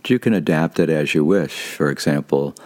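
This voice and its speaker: A man leading a guided Christian meditation, giving calm, gentle instructions. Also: extremely low pitch, brisk.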